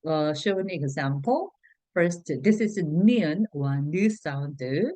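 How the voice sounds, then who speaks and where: Slow-paced Korean-accented woman teacher. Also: low-pitched, animated, warm tone, dry recording. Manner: hesitant, many "uh" fillers and restarts. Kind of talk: slow explanatory lesson for learners.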